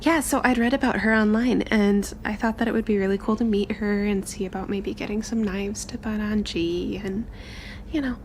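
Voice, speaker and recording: A woman's voice: medium pitch, fairly even intonation, normal speed, darkish tone, slight background noise, lightly acted. A woman playing an earnest, well-mannered girl in a tabletop game, speaking in a hesitant, courteous way. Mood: eager, hopeful. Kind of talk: tabletop roleplay.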